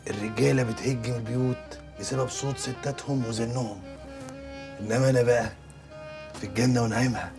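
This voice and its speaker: A man's voice: medium pitch, fairly even intonation, fast talker, long pauses, music in the background, natural voice. An actor playing a swaggering husband who speaks Egyptian Arabic, boastful and teasing toward his wife. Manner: playful, boastful, coaxing.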